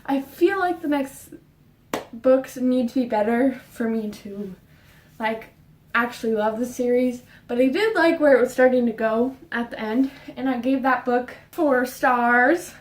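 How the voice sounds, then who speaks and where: A young woman with a high voice chats about books in a rushed, rambling way, audibly out of breath. She sounds set back from the mic in an echoey bedroom. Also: recorded from a distance. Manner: fast, rambling, with fillers and restarts. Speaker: book vlogger. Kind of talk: casual book chat. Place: her bedroom.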